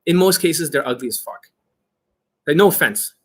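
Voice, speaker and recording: Brash, husky higher-pitched man coaching. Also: expressive, moderate pace, a bit bright. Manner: brash, boastful, heavy swearing; acts out mock exchanges, emphatic. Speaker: dating coach and host. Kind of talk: informal coaching monologue to online viewers.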